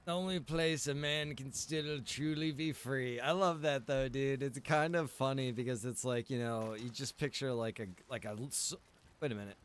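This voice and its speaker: A man's voice: mid-range voice, steady tone, moderate pace. A laid-back man chatting to viewers in rambling, slangy game livestream commentary. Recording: clearly noisy, background ambience.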